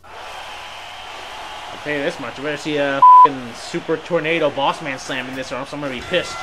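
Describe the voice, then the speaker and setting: A man casually commenting over a wrestling video game, excitable, laughing often and swearing. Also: on the high side, brisk, very noisy. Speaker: gameplay video host. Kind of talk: casual let's-play commentary. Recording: voice over loud game music.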